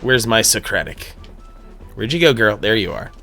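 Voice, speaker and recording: A man streams a video game and talks through it in a playful, sarcastic way, swearing now and then. His voice sits on the low side but sounds bright and sharp. It jumps around with lively pitch, with faint game music underneath. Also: normal speed, creaky. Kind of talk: live gameplay commentary.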